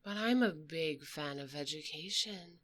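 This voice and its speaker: A woman playing a sassy, menacing female dragon debt collector for the mob in a close, soft-spoken ASMR roleplay, with a cool, taunting, condescending delivery. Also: sits low, a little slow. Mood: cool, probing. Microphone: close binaural microphone.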